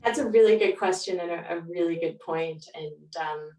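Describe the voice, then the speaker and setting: A woman's voice: fairly low pitch, moderate pace, warm tone. A woman speaking as a guest author, in a thoughtful, reflective way. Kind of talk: reflective interview answers and reading aloud. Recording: roomy echo, distant mic.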